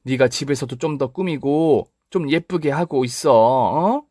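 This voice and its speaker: A man's voice: mid-range voice, a little slow, mellow, dry recording, clean studio sound, voice pushed up, natural voice. A man voicing an older mother who lectures her daughter and sides with the son-in-law. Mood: lecturing. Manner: lecturing, scolding.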